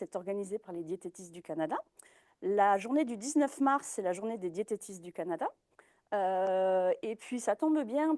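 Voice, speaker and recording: A woman's voice: medium pitch, darkish tone, no room sound. A young woman giving a presentation as a dietitian, hesitant, with many fillers and restarts. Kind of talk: informal talk presentation.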